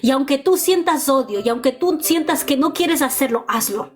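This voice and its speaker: High-voiced woman preaching her testimony. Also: lively intonation, moderate pace. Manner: impassioned, repetitive, addresses listeners directly. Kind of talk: testimony sermon.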